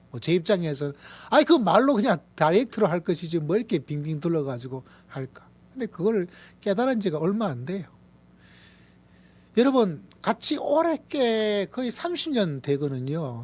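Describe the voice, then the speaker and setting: A pastor in his fifties with a Gyeongsang accent, preaching a Friday evening sermon and swinging between loud exclamations and soft whispered asides. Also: mid-range voice, husky. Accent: Gyeongsang Korean. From Gyeongsang Province, Korea.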